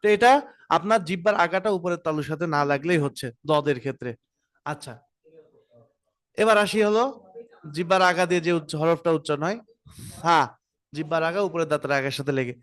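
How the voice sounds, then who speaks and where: A man with a fairly high voice leads an online recitation class. He patiently models each letter sound and has his students echo it back. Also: fairly quick, pauses often, fairly bright tone. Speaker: Quran recitation teacher. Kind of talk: online class, pronunciation drills.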